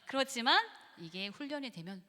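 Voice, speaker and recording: A woman's voice: fairly high pitch, brisk. A woman professor giving a church lecture on biblical psychology, acting out quoted voices and laughing often. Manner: lively and animated, acts out God and Satan in quoted voices, laughs often. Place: church sanctuary. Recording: echoey church hall.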